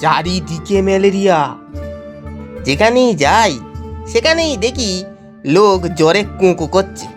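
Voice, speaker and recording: A man's voice: sits high, lively intonation, measured pace, long pauses. Male actor as young gang boss, bombastic, grandiose, easily exasperated, declamatory, music behind, audio drama. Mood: determined, uneasy. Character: bossy, grandiose young male gang leader turned do-gooder. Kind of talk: theatrical audio drama acting.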